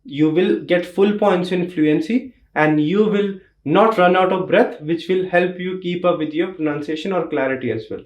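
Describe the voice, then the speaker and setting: A man's voice: high-pitched, moderate pace, hardly any pauses, echoey room. A young man with an Indian accent teaching exam tips in an emphatic tutorial style, repeating key points. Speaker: test prep teacher. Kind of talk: instructional tutorial.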